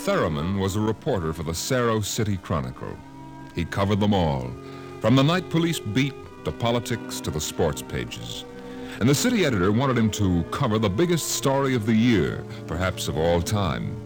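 A man's voice: lowish voice, sing-song, moderate pace. A man narrating a scripted 1950s radio drama as announcer, dramatic and portentous. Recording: old radio broadcast with music.

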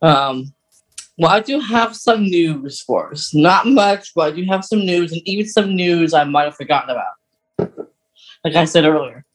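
A man with a voice on the high side co-hosts a podcast. He talks casually and informally, wandering a little as he shares news with his co-host. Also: expressive, moderate pace, poor audio. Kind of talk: casual podcast chat about fandom news.

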